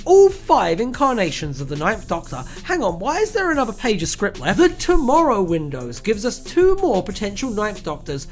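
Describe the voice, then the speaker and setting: A woman presenting comedic scripted narration in a tongue-in-cheek, mock-dramatic way. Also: mid-range voice. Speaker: video essay presenter. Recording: voice-over with music behind. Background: music.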